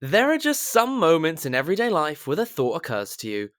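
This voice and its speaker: On his demo reel, a male voice actor reads commercial and instructional scripts a little fast, his fairly high, bright voice making huge pitch swings in a slightly forced, over-enunciated style. The sound is studio quality yet roomy and reverberant like a home recording, with a music bed under parts of it.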